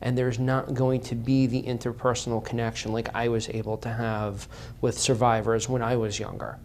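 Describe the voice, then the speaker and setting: A man's voice: medium pitch, little pitch movement, moderate pace, darkish tone, slight background noise. A man speaking as an interview guest, earnest and impassioned, repeating phrases for emphasis.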